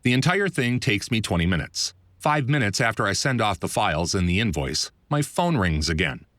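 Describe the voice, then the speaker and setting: A man's voice: fairly low pitch, sing-song, moderate pace, fairly bright tone, dry recording, clean studio sound. A man reading his own first-person book as scripted narration, in a wry, self-deprecating, conversational manner.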